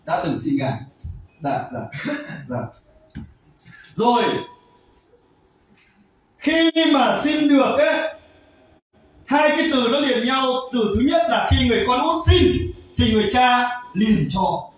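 A man preaches a sermon, his high voice leaping between soft asides and loud emphatic cries. He sounds distant from the mic. A long, booming echo fills the hall around him. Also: big pitch swings, takes it slowly, pauses often. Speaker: pastor. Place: church hall. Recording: very echoey hall, voice from far off.

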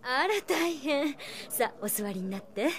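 Woman acting a lively, polite, sly waitress. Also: high-pitched, measured pace. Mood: sugary, apologetic. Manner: honeyed politeness with barbed asides. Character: polite, sly, sharp-tongued young shop waitress. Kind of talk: Japanese anime-style audio drama acting.

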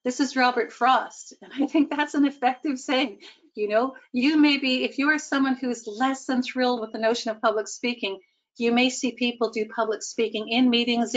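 A woman's voice: a little high, muffled recording. A woman giving a talk on public speaking to a group, engaging and often putting questions to her listeners. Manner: engaging, asks the audience questions. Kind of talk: presentation to a group.

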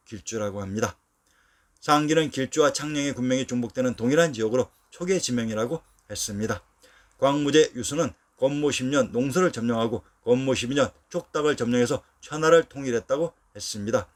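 A man reading a scripted historical narration, listing place names in a steady, measured voice. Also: mid-range voice.

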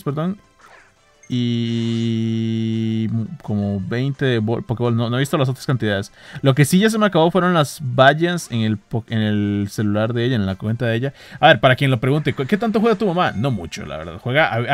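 A man with a Costa Rican Spanish accent, giving casual running commentary as he plays a phone game outdoors early in the morning. He talks excitably, swears, and laughs at himself. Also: medium pitch, no echo. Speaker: gaming vlogger. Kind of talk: casual commentary while playing. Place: outdoors walking near home in the early morning.

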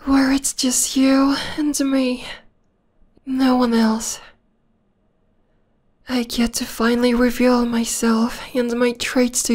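A woman playing an obsessed, possessive young vampire stalker in an intimate, breathy, half-whispered ASMR roleplay. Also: a little high, a little mellow. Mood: adoring, sinister.

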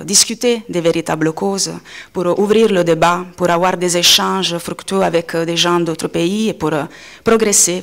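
Low, creaky-voiced Italian woman speaking publicly. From Italy. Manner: hesitant phrasing with frequent pauses and self-corrections. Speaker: coordinator of a media organisation, panel speaker. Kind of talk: conference speech, semi-improvised. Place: indoor conference panel table. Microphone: gooseneck table microphone, close.

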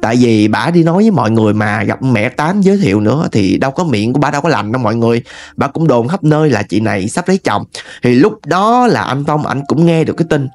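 A man with a Southern Vietnamese accent narrating a ghost story in a chatty, animated way, talking straight to his listeners. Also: medium pitch, fast talker.

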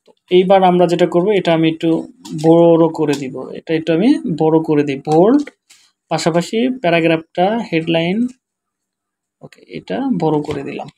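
A tired man with a Bangladeshi accent, speaking quietly and slowly as he walks through a screen-share tutorial. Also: on the high side, gravelly, a little hiss or hum. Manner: quiet, slow, tired-sounding talk. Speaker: web developer teaching SEO.

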